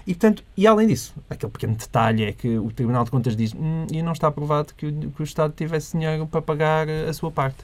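A man with a European Portuguese accent, speaking on a radio panel. He stammers and restarts, then builds to emphatic points. His voice sits a little high. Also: fast talker, hardly any pauses. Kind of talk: casual debate chat.

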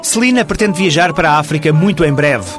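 A man's voice: fairly high pitch, animated, quick pace. A man reading a scripted magazine-programme narration as presenter. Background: music.

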